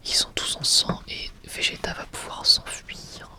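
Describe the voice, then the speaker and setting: ASMR presenter, soft unvoiced whisper, informal rambling fan commentary. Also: a little slow. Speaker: ASMR video creator presenting a manga collection. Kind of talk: whispered ASMR, casual chat.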